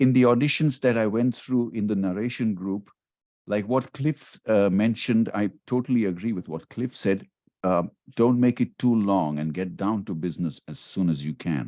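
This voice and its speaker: Over a quiet background, a man with a dark, mellow tone and fairly low pitch uses lively intonation at a moderate pace, the sound dry and close with no echo. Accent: Indian. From India. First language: not English. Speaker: voiceover artist and competition judge. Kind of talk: panel discussion. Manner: halting, many repetitions.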